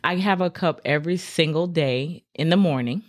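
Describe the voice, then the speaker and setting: A man's voice: on the high side, normal speed, no room sound, clean studio sound. A man co-hosting a podcast, playfully teasing the others in casual chat. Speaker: podcast co-host.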